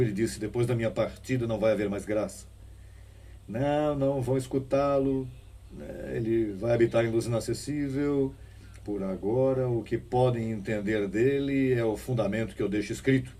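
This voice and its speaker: A man delivers a sermon in a dark, husky voice, pushing his phrases upward in emphatic bursts and firing rhetorical questions at the listeners. He sounds set back from the microphone. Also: mid-range voice, far from the mic. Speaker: preacher.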